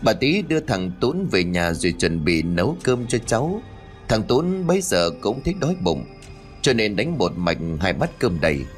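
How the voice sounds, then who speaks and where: A male storyteller reading a spooky tale with a low voice and a lively, rising-and-falling delivery. His reading is dramatic and expressive, with faint music underneath. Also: moderate pace. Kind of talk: scripted narration.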